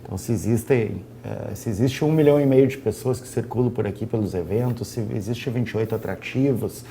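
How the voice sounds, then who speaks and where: A man's voice: fairly low pitch, fairly quick, dark tone, slight background noise. A man speaking as a tourism director guest on a studio talk show, fluently listing regional events and attractions. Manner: promotional, fluent, listing facts.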